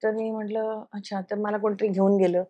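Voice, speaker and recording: Speaking fairly quickly in a warm, mid-range voice with a flat delivery and cut-off highs, a TV actress earnestly recounts something that happened to her during an interview. She performs the quoted lines as she relays them and mixes in English phrases.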